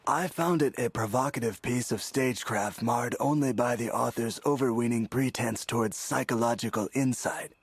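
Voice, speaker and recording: A man's voice: mid-range voice, normal speed, hardly any pauses, slightly rough, dry recording. An actor voicing a pompous cartoon hero who declaims his lines grandly. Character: pompous male cartoon hero in a home play. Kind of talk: cartoon voice acting.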